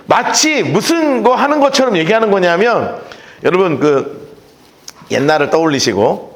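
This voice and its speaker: A middle-aged man preaches in a church and tells stories, acting out the voices of the people in them. His voice sits high and swings widely in pitch. The church hall gives it a roomy echo. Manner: lively storytelling with acted-out quotes. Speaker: pastor. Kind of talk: sermon. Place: church sanctuary.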